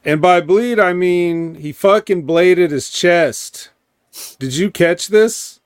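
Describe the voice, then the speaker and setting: A man's voice: high-pitched, slow pace, clear, resonant tone, no room sound, studio quality. A man hosting a podcast, recapping a wrestling show in a rambling, sarcastic way with lots of ums. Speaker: podcast host. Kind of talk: casual wrestling recap chat.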